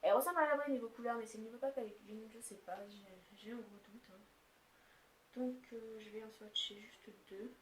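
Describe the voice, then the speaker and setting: Young woman rambling about her makeup, kinda high voice, echoey room, bit of hiss. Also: moderate pace. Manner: chatty, rambling, filler-heavy. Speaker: beauty vlogger. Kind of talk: casual makeup haul chat. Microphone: camera's built-in mic. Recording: echoey room, faint noise.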